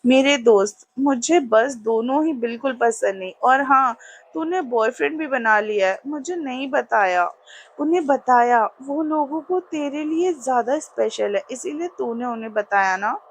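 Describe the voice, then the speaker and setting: A woman playing a possessive young college girl in an audio storybook, sulking and accusing her best friend, in a slightly high, breathy voice whose pitch rises and falls sharply. Soft music plays faintly underneath. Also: expressive, a little slow, full character voice. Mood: hurt.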